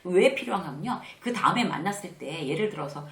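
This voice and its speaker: A middle-aged woman hosting a casual spoken lesson on workplace manners, acting out sample greetings as she goes. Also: quick pace. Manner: lively, acts out sample greetings in a bright higher voice. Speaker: workplace lecturer and channel host. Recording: roomy echoey room.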